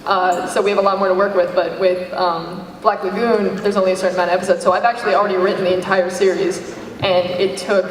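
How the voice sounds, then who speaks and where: A woman's voice: medium pitch, flat delivery, fast, a little hiss or hum. Woman joking around casually on a con panel, kinda self-deprecating, echoey and far from mic. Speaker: panelist and parody series writer. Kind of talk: casual unscripted panel chat. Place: convention panel room. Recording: echoey hall, distant microphone.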